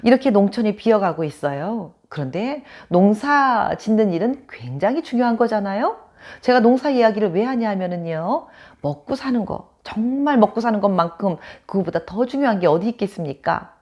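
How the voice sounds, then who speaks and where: A woman's voice: medium pitch, expressive, moderate pace, darkish tone, dull audio. A woman from Chungcheong, South Korea, hosting her own channel and chatting to camera in a casual storytelling way, laughing often. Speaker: channel host.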